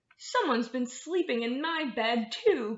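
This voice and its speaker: A woman uses a put-on character voice with a growling sound. Her pitch is high. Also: moderate pace. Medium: read story.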